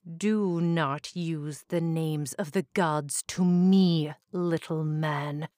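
A woman voicing a cursed female gorgon with snakes for hair, speaking soft, low and menacing. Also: fairly even intonation, very slow, no room sound, studio quality. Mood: bitter.

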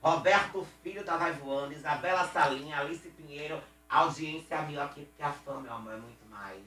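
A man's voice: on the high side, brisk, sharp tone, soft background music. A man presenting celebrity gossip on radio in a campy, chummy way, addressing listeners affectionately. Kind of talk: chatty celebrity gossip segment. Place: radio studio.

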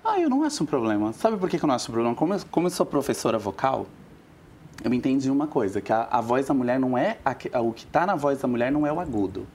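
A woman's voice: very deep voice, very fast, slight background noise. A woman, a vocal teacher talking expressively as a guest on a TV talk show. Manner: expressive and chatty, calls people "meu amor". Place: TV studio.

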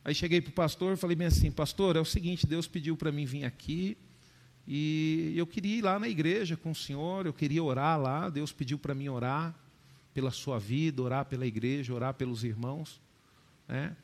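A man preaching a sermon, with a voice pitched a little high for a man. He tells a story to his congregation, keeps calling them dear ones, and climbs to loud, lifted peaks of emphasis. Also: moderate pace. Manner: storytelling, addresses the listeners as "dear ones" again and again. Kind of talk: sermon testimony.

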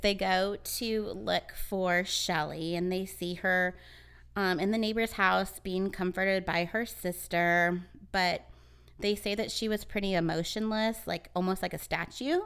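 A woman co-hosting a podcast, walking her friend through a true crime story in a loose, chatty way. Her voice is smooth and clean, pitched a little low, and she keeps dropping in fillers as she talks. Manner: relaxed, uses many fillers, acts out quotes. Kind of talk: casual storytelling chat.

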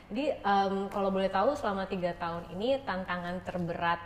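Woman host asking questions fast, lots of "yeah yeah", echoey room with long reverb. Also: medium pitch, a crowd in the background. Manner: friendly questions, frequent affirming backchannels. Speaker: podcast host, interviewer. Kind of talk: casual interview chat. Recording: roomy reverberant room sound.

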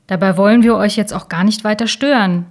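A woman voicing a smarmy male government spokesman who gushes loudly and syrupily. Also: medium pitch, a little fast, natural voice. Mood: gushing. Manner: loud, syrupy and exaggerated.

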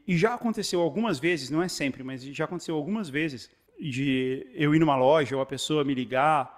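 A Brazilian man with a Brazilian Portuguese accent talks through stories in relaxed conversation. He speaks very quickly, in a voice a bit higher than most men's. He restarts phrases often and stays animated throughout. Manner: animated storyteller, many restarts and fillers. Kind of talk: casual chat.

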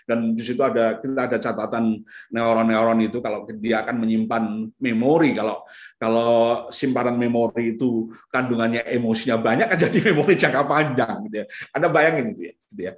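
Male seminar speaker, conversational and animated when he acts out scenes, recorded in an echoey hall. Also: medium pitch. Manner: conversational, many fillers like "gitu ya"; acts out parents and children in lively bursts. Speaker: lecturer on the brain and parenting. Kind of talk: casual seminar talk. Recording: echoey room.

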